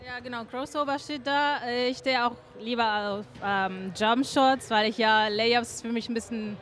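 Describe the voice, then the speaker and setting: A young woman from Sardinia speaking German with an Italian accent, answering interview questions in a soft, halting way as a basketball player. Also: fairly high pitch. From Sardinia, Italy. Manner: soft-spoken, halting, often says "genau". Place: indoor studio in front of a sponsor wall. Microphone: handheld mic held out by the interviewer.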